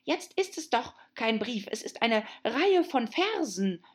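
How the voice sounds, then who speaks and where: A woman's voice: fairly high pitch, big pitch swings, slow, pitched above the performer's own voice. A woman playing a stammering, flustered white rabbit. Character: nervous stammering male white rabbit herald.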